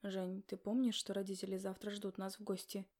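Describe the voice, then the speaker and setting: A guilty husband pleads and insists, as a woman reading an audiobook puts him on. His voice sits low and flat, with a mellow, dark tone. His words press on in a steady run. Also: brisk, lightly acted. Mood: pleading. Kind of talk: audiobook character voice.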